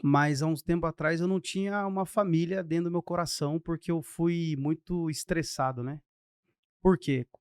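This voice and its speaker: Man, 30s, Brazilian Portuguese accent, pastor's testimony, high voice, dry close sound, animated storytelling. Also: normal speed, clean tone, dry recording. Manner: animated, acts out the people in his story. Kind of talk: storytelling in a podcast interview.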